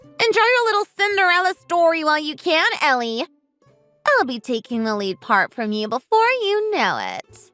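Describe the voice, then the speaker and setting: Brief: woman voicing a vain, scheming young woman, high-pitched and lilting, taunting and self-admiring. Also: big pitch swings, moderate pace, pushed and bright, faint music behind, heavily acted. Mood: threatening.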